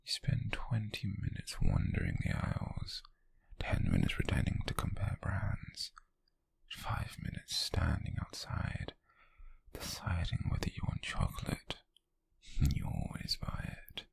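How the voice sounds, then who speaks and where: A British man playing an obsessive, possessive male stalker in an ASMR roleplay, speaking in a slow, breathy, raspy whisper, teasing and sinister, close to the microphone. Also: sits low, huge pitch swings, full character voice. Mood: teasing menace.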